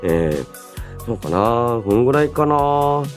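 A young man hosts a casual radio show with very animated intonation. He is chatty and thinks aloud in polite but informal speech, over faint music. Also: mid-range voice, slow. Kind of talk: casual solo radio talk, reading and answering listener mail.

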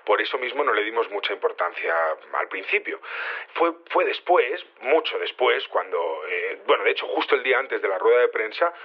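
A man playing an earnest, defensive security chief in an audio drama, explaining haltingly through a phone filter. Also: medium pitch, expressive. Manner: hesitant, halting explanations with frequent tags. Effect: phone-line filter. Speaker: head of security interviewed on air. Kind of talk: audio fiction acted as a live call-in interview. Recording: dull, band-limited phone call.

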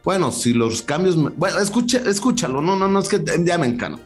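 A man's voice: on the high side, lively intonation, brisk, soft background music. Rambling opinionated Mexican man. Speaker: podcast co-host. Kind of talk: casual football banter.

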